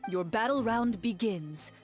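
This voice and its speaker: Composed game master telling a fantasy story, medium pitch, soft music under it. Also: female voice, animated, slightly rough. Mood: composed, dramatic. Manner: measured, dramatic storytelling. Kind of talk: scripted dramatic narration in a video game.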